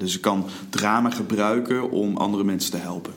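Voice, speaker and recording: Noticeable background noise and audible room echo fill this recording. The man speaking has a fairly low pitch. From Limburg, Netherlands. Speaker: podcast host and speaking coach. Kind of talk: interview. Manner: animated.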